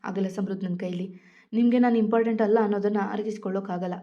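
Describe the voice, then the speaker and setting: A woman's voice: medium pitch, fairly even intonation, rapid-fire, natural voice. A woman voicing a hurt, tearful young pregnant wife, pleading as she reads. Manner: pleading, emotional storytelling reading. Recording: dull lo-fi audio.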